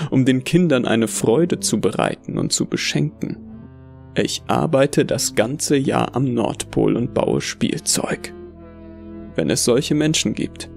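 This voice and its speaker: A male actor narrates as a bitter, deluded Santa in a horror story. His mid-pitched voice is gravelly and brooding, full of contempt, with music underneath. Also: darkish tone. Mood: bitter, contemptuous. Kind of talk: dramatic first-person horror narration. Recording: music behind the voice.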